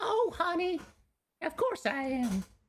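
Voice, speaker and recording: A put-on, squeaky character voice jumps across very wide pitch swings at an extremely high pitch. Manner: affectionate, sweet.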